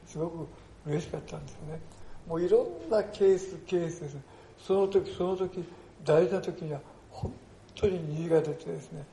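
An older male pastor preaches in a somewhat high but mellow, gravelly voice. His delivery is earnest and storytelling, with small emphatic fillers throughout. The sound carries the echo of a church hall. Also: slight background noise. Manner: earnest storytelling, peppers phrases with "desune". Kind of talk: sermon.

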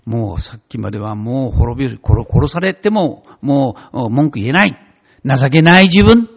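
A man preaching and telling his own testimony in a heartfelt, animated way, on a dull lo-fi recording. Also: fairly high pitch, gravelly, husky. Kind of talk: personal testimony sermon.

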